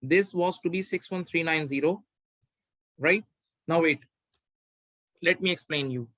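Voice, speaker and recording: A male tutor with a somewhat high-pitched voice leads an online exam revision class. He explains in an instructional way and often says a phrase again to drive it home. The sound is dry, with little trace of the room. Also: unhurried, sharp tone, dry recording. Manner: repeats phrases for emphasis, instructional. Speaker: accounting tutor.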